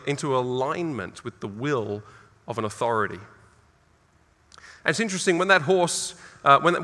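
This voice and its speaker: A middle-aged Australian man preaching a sermon, earnest and emphatic, jumping higher when he quotes scripture. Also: bright, forceful tone. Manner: earnest, emphatic, with sudden rises for quoted lines. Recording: reverberant hall.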